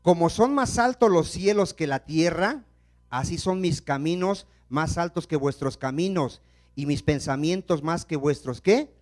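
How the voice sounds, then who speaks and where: A male pastor preaching a sermon, asking the congregation questions and letting them finish his sentences, moving between loud emphasis and hushed asides. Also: fairly high pitch, expressive, a little slow. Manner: call-and-response questions to the congregation.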